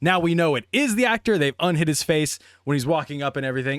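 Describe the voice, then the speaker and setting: A man's plain, everyday voice, fairly high-pitched, with lively intonation at a fairly quick pace, in a dry, close sound with no echo. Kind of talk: casual livestream trailer reaction. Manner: casual, excitable.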